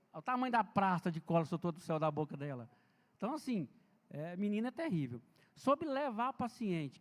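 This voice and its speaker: A man with a notably high voice gives a chatty, story-filled seminar talk, speaking directly to the listeners. His voice rings with a long reverb off the walls of a large church hall. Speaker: health and safety speaker. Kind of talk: informal seminar lecture.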